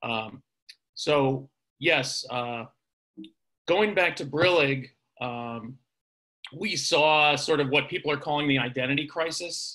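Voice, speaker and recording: A man's fairly high voice with a bright, sharp tone, very slow pace and long, frequent pauses, over a quiet background. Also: ordinary pitch variation. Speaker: digital marketing consultant; webinar presenter. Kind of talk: webinar presentation. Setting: video call. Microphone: webcam.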